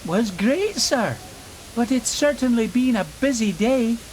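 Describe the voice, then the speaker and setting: A man's voice: extremely high pitch, lively intonation, a little slow, a little hiss or hum, pitched above the performer's own voice. A man voicing an eager, polite, cheerful female steam engine in a children's train story. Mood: proud, happy. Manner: bright, polite, enthusiastic.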